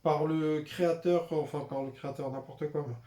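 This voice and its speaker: A man's voice: a little high, steady tone, moderate pace, warm tone. A young man chatting casually as a vlogger, filling his talk with frequent hesitations. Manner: chatty, with frequent "euh" and "voilà" fillers. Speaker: manga vlogger showing his purchases. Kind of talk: casual unscripted vlog chat. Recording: roomy echoey room.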